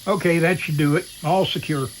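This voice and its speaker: A man's voice: a little high, steady tone, fairly quick, natural voice. A man playing a straight-faced, by-the-book helicopter pilot in an amateur audio drama, dryly unflappable and matter-of-fact. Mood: dry, official. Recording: hissy, noisy radio-drama track with outdoor ambience.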